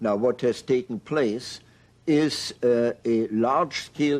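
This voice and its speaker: Against a quiet background, a man with a German accent speaks at a fairly slow pace. His pitch is medium, with ordinary variation. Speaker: philosopher. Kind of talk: interview answer. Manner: slow, measured, precise.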